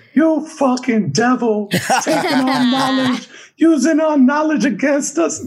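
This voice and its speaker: At a fairly slow pace, a man performs a put-on character voice pitched extremely high. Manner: angry, accusing.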